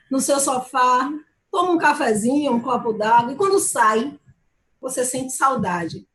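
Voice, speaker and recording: A woman in her forties from Salvador, Brazil, giving measured, earnest answers as a candidate in an interview. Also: a little high. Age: 40s. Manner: measured, earnest, with frequent restarts. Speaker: mayoral candidate. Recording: echoey room.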